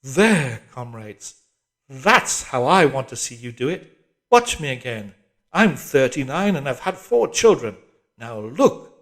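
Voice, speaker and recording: A man's voice: mid-range voice, big pitch swings, slow. A man voicing a shrewish, bossy middle-aged woman barking exercise orders and patronising encouragement in an audiobook. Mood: brisk, exhorting. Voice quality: shrewish, strident. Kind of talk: audiobook character voice.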